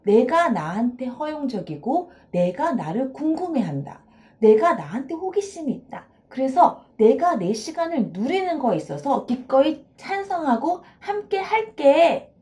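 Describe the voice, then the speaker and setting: A woman counseling psychologist giving a playful, expressive video lecture, acting out little dialogues as she explains. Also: sits high, a little slow. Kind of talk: video lecture on self-esteem.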